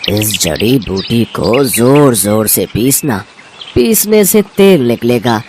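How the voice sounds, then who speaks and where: An actor playing an old male street herb seller who calls out his wares slowly. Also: medium pitch, very animated, darkish tone, slight background noise. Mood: hawking. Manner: slow hawking calls.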